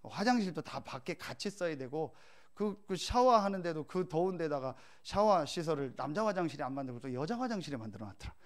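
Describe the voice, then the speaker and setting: A male pastor delivering a sermon, telling stories and rising to loud, emphatic rhetorical questions. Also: on the high side, big pitch swings, fairly quick.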